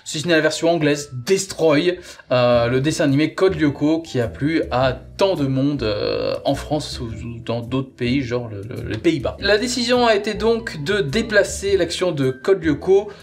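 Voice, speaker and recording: A man's voice: a little high, sing-song, unhurried. A man hosting a review show, chatting casually as he presents and gives his opinion. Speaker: host reviewing audio sagas.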